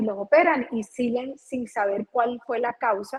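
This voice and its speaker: With a Colombian coastal accent, a woman speaks at a high pitch and a fairly slow pace, keeping her intonation fairly even. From Colombian Caribbean coast. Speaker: pediatric nephrologist. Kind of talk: interview.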